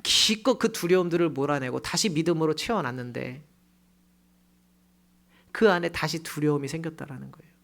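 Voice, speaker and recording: A pastor preaching a sermon in a church. The delivery is storytelling, with bursts of loud emphasis. Phrase endings sink into quiet, low murmurs. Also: moderate pace, vocal fry, pauses often. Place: church sanctuary.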